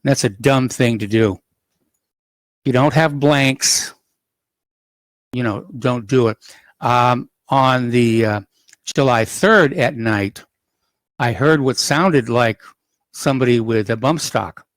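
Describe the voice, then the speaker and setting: A man's voice: medium pitch, slow pace, long pauses, dry recording. A man hosting a talk radio show, speaking in a plain, matter-of-fact way and answering callers briefly.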